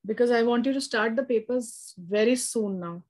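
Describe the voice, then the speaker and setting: A woman with a South Asian accent tutors a student in physics one-to-one, explaining concepts and frequently checking understanding with short tag questions. Her voice is fairly high and darkish, at a moderate pace.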